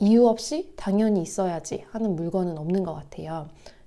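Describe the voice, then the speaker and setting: A woman speaks at a medium pitch. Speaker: office worker, minimalist lifestyle YouTuber. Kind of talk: casual vlog narration.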